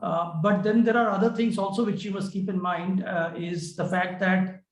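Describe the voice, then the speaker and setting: Higher-pitched Indian man, roomy echo. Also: fairly even intonation, normal speed. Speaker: company finance executive. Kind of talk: answering analyst questions on an earnings call. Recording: roomy, echoing conference call.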